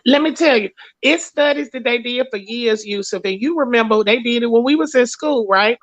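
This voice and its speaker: A woman's voice: a little high, brisk. A blunt, profane woman, hosting a casual talk show. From Mississippi, US. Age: late 30s. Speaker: host. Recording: lo-fi stream audio.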